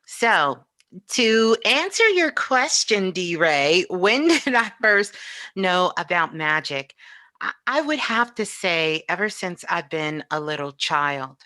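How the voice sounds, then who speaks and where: A woman's voice: lowish voice, very animated, slow pace, bright, forceful tone, dry recording. A woman answering interview questions as a show guest in a conversational, reflective way.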